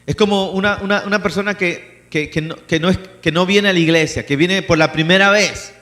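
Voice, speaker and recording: Animated pastor in reverberant hall. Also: male voice, high-pitched, fairly quick. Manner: animated preaching, acting out voices of biblical characters. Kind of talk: sermon. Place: church hall. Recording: church hall reverb with mains hum.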